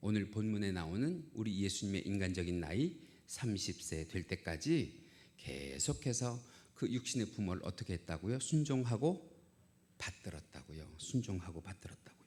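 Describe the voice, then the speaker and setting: Fairly low in pitch yet with very wide pitch swings, a man talks at a moderate pace. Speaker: pastor. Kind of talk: sermon. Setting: church.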